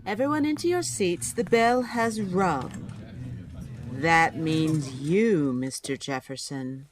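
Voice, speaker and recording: An actress playing a stern, exacting schoolteacher, formal and pointed, in an audio drama. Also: female voice, low-pitched, expressive, slow, noisy background. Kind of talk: full-cast audio drama acting.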